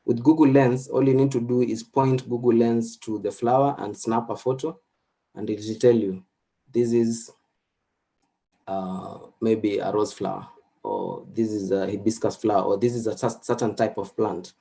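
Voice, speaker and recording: A man whose first language is Swahili, giving a recorded lecture with slides in an unhurried way, with many fillers and restarts. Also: on the low side, steady tone, gravelly, dark tone.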